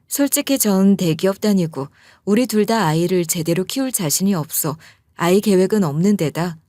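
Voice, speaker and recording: A woman's voice: medium pitch, warm tone, no room sound, clean studio sound. A woman narrating a first-person story in a chatty, confiding way.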